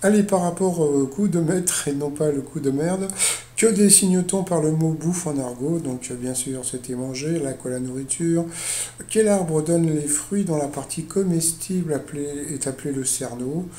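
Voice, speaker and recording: A man's voice: on the high side, normal speed, warm tone. Rambling man in an echoey room. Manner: rambling, with many fillers and restarts, chatty asides. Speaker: video blogger recapping a TV quiz show. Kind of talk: casual spoken recap.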